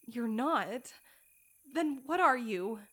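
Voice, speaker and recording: Woman doing a prim young lady, trapped and begging, talks slow and formal, drops to breathy whispers. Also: on the high side, lively intonation, a bit bright, heavily acted. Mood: frightened pleading. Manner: formal, old-fashioned phrasing. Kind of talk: solo audio roleplay.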